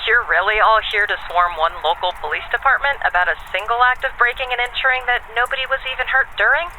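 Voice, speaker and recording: A woman playing a composed, caring school counselor in an audio drama, measured and diplomatic, firm but dry. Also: a little high, pushed and bright, a little hiss or hum, low-quality recording.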